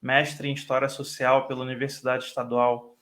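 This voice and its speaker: A man's voice: mid-range voice, flat delivery, moderate pace, a bit bright. A man with a Rio de Janeiro carioca accent, a guest professor speaking fluently in a live online interview, often tagging his sentences with "né". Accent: Brazilian Portuguese, Rio de Janeiro (carioca). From Brazil. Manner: fluent, explanatory, frequent "né" tags.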